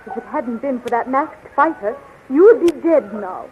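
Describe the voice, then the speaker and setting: A woman's voice: sits high, expressive, moderate pace, slight background noise. A woman playing an anxious, devoted young sweetheart, pleading melodramatically in a 1930s radio serial. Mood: worried, loving. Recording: muffled 1930s radio recording.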